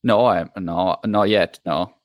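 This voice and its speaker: A man from Italy with an Italian accent mixed with New Zealand English, speaking English as a second language. He talks haltingly as a podcast guest, searching for words. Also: sits low, no room sound, studio quality. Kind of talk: casual interview.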